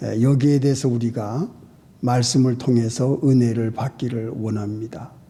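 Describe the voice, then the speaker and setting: Speaking at a fairly slow pace, a man uses a medium pitch, a dark, mellow tone, somewhat breathy delivery and fairly even intonation. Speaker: pastor. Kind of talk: sermon. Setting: church. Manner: formal. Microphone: voice sounds weak or quiet through the sound system.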